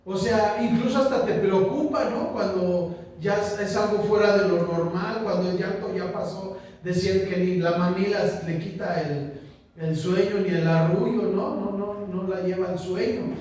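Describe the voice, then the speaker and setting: Man, pastor, high voice, joking conversational sermon, recorded from afar in a reverberant church. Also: moderate pace, darkish tone. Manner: chatty, asks the congregation questions, jokes. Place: small church. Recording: echoey church room, distant mic, faint noise.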